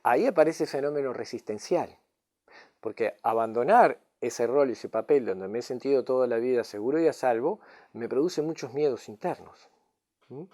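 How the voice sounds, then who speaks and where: A man acting as a spiritual guide and therapist gives a reflective teaching talk, frequently tagging lines with a questioning "mm?" or "no?" to check understanding. His voice is warm and medium-pitched, at normal speed.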